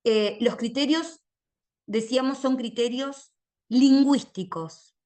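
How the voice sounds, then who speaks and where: Woman literacy teacher, measured lecture delivery, slightly high, unhurried. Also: a little mellow. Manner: slow, careful, stretches sounds when modelling them. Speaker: literacy teacher giving a training talk. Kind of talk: lecture with phonics demonstrations.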